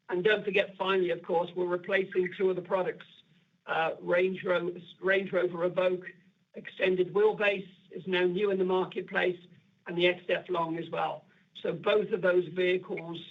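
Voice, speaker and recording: A man speaking as a company executive on an earnings call, explaining figures in a businesslike, point-by-point way. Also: sits high. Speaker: company executive answering investor questions. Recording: dull lo-fi conference call audio.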